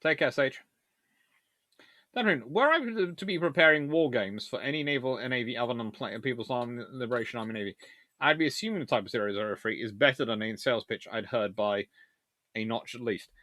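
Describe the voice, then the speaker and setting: Male host for casual history livestream; mid-pitched, animated, stop-start conversational delivery, very dry room sound. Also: a little fast, no echo. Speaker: livestream host answering viewer questions. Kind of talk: casual rambling live Q&A on naval history.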